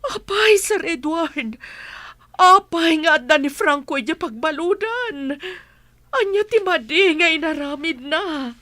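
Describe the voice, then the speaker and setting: A woman's voice: very high-pitched, animated, a little slow, sharp tone, no room sound, full character voice. An actress playing an anxious older woman who pleads near tears for news of a jailed young man. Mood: pleading.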